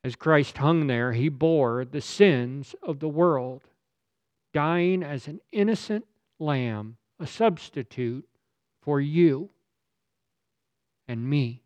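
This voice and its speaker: A man's voice: a little high, slow pace, pauses often, darkish tone, no room sound. A man preaching a sermon in a dramatic, emphatic way, building his points through rhetorical questions. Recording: slightly dull lo-fi recording.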